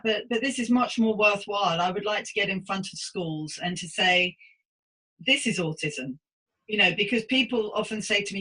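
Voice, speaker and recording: A woman's voice: mid-range voice, sharp tone, poor audio. A woman hosting a conversational interview podcast, chatty and affirming, rephrasing as she goes. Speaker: podcast host.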